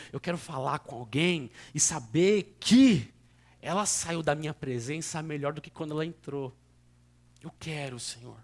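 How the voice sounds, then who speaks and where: A young man preaching in a church in Brazilian Portuguese with a São Paulo accent, conversational and earnest, moving between soft asides and sudden emphatic bursts. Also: mid-range voice. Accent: São Paulo state Brazilian Portuguese. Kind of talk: sermon.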